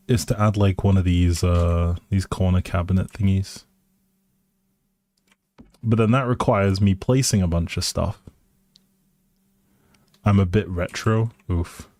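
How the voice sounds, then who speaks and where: A man's voice: fairly low pitch, warm tone, no room sound. A man live streaming a video game with casual, hesitant commentary, thinking aloud and often trailing off. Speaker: live streamer playing a life simulation game.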